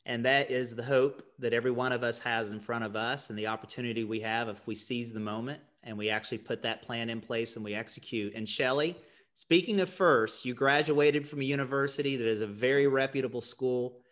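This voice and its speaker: A man's voice: medium pitch, fairly even intonation, brisk, few pauses, a bit bright. A middle-aged man from West Virginia with a light West Virginia accent, moderating a panel and affirming the speakers before asking his questions.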